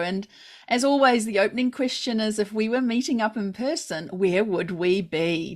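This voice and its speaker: A woman hosting a podcast interview, chatting casually and encouraging her guest with enthusiasm. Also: mid-range voice. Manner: enthusiastic, encouraging, laughs often. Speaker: podcast host.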